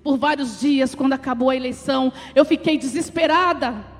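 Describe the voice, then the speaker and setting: Impassioned high-voiced Brazilian woman preacher. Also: normal speed, in a large hall, soft background music. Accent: Brazilian Portuguese. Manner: impassioned, shouting, breaks into speaking in tongues. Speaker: deaconess preacher. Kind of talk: Pentecostal sermon. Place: church hall.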